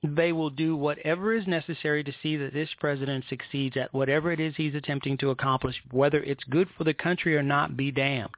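Casting: American man, political talk host, slightly high-pitched, emphatic and indignant, heard over a tinny phone-quality line. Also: steady tone, dry recording. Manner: emphatic, indignant, deliberate phrasing with repetition. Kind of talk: political commentary with read-out news articles.

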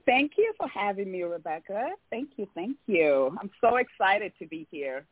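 A woman's voice: mid-range voice, sing-song, normal speed, breathy edge, no room sound. A woman from Tanzania, a life coach, speaking earnestly and emphatically as a radio interview guest. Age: adult, came to America at seventeen for college. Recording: phone-line audio.

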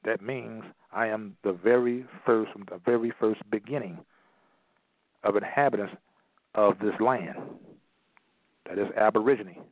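A man's voice: fairly low pitch, unhurried, long pauses, no echo. A man giving an emphatic lecture, partly reading aloud and repeating phrases for stress. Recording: tinny phone-like line, dry.

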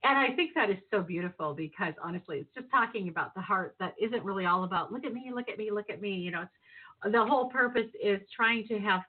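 A woman's voice: mid-range voice, fast. A woman hosting a casual faith-based interview, enthusiastic and rambling, with many fillers and restarts. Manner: warm, enthusiastic, loose and rambling. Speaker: host. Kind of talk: casual Christian interview chat. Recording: tinny phone-like audio.

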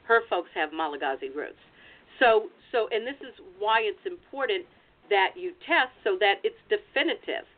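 Over tinny, phone-like online call audio, an American genealogy researcher gives a practical, explanatory webinar talk by video call. Her voice is mid-range, her intonation lively, her pace normal.

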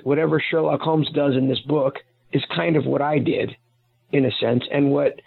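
A man's voice: mid-range voice, gravelly, husky. A man who is a guest author, explaining at length in a rambling way with many restarts, heard over a phone line. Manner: rambling, self-correcting explanations. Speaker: guest author and private investigator. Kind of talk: phone-in interview.

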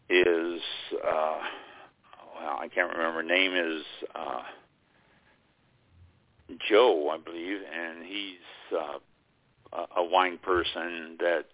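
A deep-voiced man co-hosts a radio talk show, chatting loosely about upcoming guests in a rambling, unsure, hesitant way. It's casual planning talk over a tinny phone line that's dry, with no echo.

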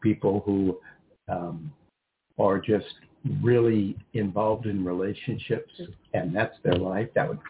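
Low-voiced man on a tinny phone line. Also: fairly even intonation, slow, slight background noise. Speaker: radio show co-host. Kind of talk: casual, rambling explanatory talk.

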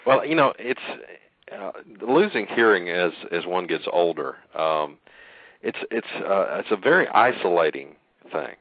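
Deep-voiced male co-host, earnest and hesitant; phone-line sound. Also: big pitch swings, no echo. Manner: earnest, hesitant, many pauses. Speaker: podcast co-host. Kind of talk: casual podcast conversation. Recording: tinny phone-line call audio.

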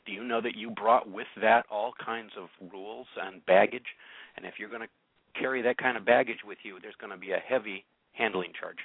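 A man's voice: lowish voice, fairly even intonation, brisk, creaky, slightly rough, no echo. A man hosting a call-in radio show. He coaches a caller with probing, challenging questions and often repeats words as he presses a point. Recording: narrow, phone-like radio sound.

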